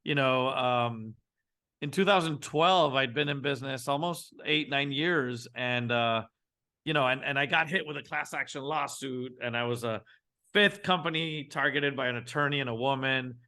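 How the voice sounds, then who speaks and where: A man, telling his business story as a guest in a casual interview, animated and often restarting his sentences. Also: medium pitch, moderate pace. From Venezuela. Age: 40s. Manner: animated, frequent restarts, acts out his own thoughts. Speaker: guest entrepreneur.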